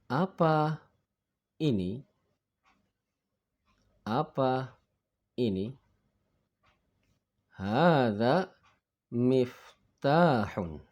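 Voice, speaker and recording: Teaching an introductory Arabic class, a man speaks in a mellow, medium-pitched voice. Patient throughout, he repeats each word twice for learners to echo and playacts losing words before looking them up.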